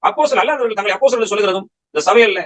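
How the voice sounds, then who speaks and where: A man's voice: sits high, rapid-fire, rough recording. A man preaching a Bible study sermon, firing rhetorical questions at his listeners and pressing his points with emphatic exhortation.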